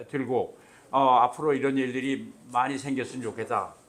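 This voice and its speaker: A man's voice of medium pitch at a moderate pace, with audible room echo. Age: 80s+. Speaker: scholarship foundation chairman. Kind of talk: press conference speech. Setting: press conference. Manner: hesitant, many fillers.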